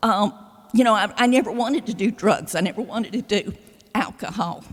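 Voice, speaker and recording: Over noticeable background noise, a woman with a Southern US accent talks at a fairly quick pace in a fairly high pitch with ordinary pitch variation. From Florida Panhandle. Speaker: church member. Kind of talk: testimony. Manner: shaky voice.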